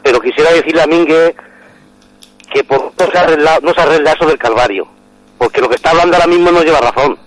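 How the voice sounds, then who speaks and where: Caller, man in his fifties, heard over a phone line, dry and close, fairly high voice, insistent, keeps cutting in. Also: quick pace, no echo. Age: 50s. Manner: insistent, cuts in with repeated "no". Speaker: radio caller. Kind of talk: call-in complaint.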